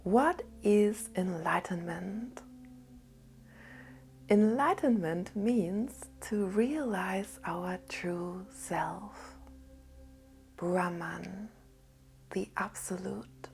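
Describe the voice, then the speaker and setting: Woman, spiritual teacher, soft half-whisper, very slow, creaky. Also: mid-range voice. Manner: calm and unhurried. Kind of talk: gentle spiritual talk.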